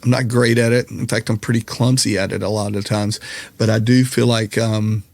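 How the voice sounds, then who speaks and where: Candid, gravelly middle-aged man. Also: lowish voice, level tone, normal speed, darkish tone, no echo. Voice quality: slightly raspy from playing. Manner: candid, reflective, jokey storyteller. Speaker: podcast guest, musician and comedian. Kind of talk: casual conversational interview.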